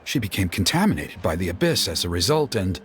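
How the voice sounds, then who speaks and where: A middle-aged tribal elder from a fantasy video game, deep-set in his pride. His delivery swings up and down, formal and blustering, and turns halting when flustered. Faint music plays behind him. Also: sing-song. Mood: grave, explanatory. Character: proud middle-aged male tribal elder, stern father turned flustered host.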